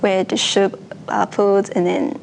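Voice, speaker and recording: Young woman, slow, keeps restarting, um um, faint background hum. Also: mid-range voice, level tone, gravelly, rough recording. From Hong Kong. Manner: hesitant, with restarts and fillers. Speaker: nursing student. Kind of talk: personal account for a university video.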